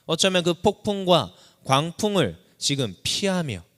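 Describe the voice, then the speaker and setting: A man pastor delivers an impassioned sermon, his pitch swinging widely as he rises into cried-out prayers and drops low again. His voice rings with the long reverb of a church sanctuary. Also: a bit bright. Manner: impassioned preaching, voice rising sharply when voicing prayers.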